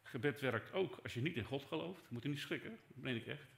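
A man's voice: mid-range voice, animated, a little fast, creaky. Older male pastor preaching in an echoey hall. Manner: conversational preaching, swinging between soft asides and raised emphasis. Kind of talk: sermon. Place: church hall.

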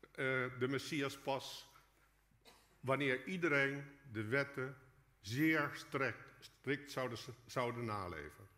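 A man's voice: mid-range voice, fairly bright tone. A man giving a reflective sermon in a church, speaking straight to the congregation, his voice carried by a cathedral-like echo. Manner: reflective, addresses the congregation directly. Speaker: lay preacher. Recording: long echoing church reverb.

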